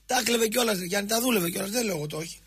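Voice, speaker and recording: Here a Greek talk-radio host goes after his co-host in an impassioned, repetitive rant, pressing the same arguments again and again. He has a high, somewhat bright voice with a breathy edge.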